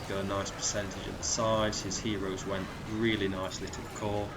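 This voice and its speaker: A man with a cold, sounding croaky and sniffly, casually commentating strategy game replays and calling out percentages. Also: deep voice, fairly quick, very noisy. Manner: relaxed, chatty, calls out percentages. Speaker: clan leader commentating war replays.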